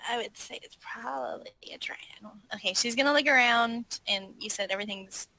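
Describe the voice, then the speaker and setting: A woman's voice: fairly high pitch, a little fast, sharp tone, low-quality recording. A woman playing a tabletop game, casually narrating what her character does in the third person.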